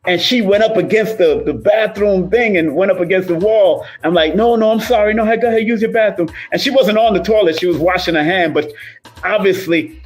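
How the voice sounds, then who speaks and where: A man's voice: sits high, a little fast. A man talking casually and motivationally as a numerologist livestreaming, emphatic and repetitive, rolling his R's. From Cuban and Jamaican heritage. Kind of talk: casual motivational monologue to live viewers.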